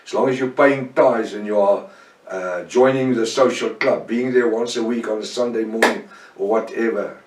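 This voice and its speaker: A man's voice: on the low side, fairly even intonation, moderate pace, a little mellow, a little hiss or hum. A man with an Afrikaans accent, preaching a fervent Bible-study sermon with prayers. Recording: echoey room, voice from far off.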